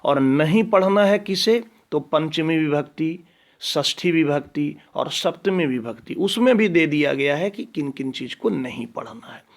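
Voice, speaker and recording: A man's voice: a little high, animated. A male Sanskrit teacher going through a school syllabus for his students, patiently repeating what they must and must not study. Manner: slow, patient, repeats each item.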